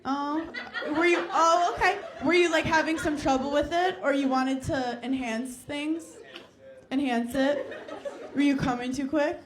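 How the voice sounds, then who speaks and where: A woman from New York doing stand-up crowd work, teasing audience members in brash, rapid banter on a club stage. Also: high voice, fairly even intonation. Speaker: stand-up comedian. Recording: live club with crowd laughter.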